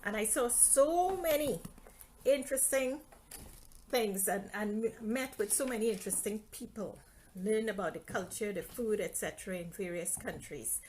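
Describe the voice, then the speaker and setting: A middle-aged woman from Trinidad and Tobago, an author, chats in a friendly way on a live stream about her books and reads her novel's introduction aloud. Her voice is medium-pitched and a little mellow, at normal speed, on a low-quality recording with a little hiss or hum.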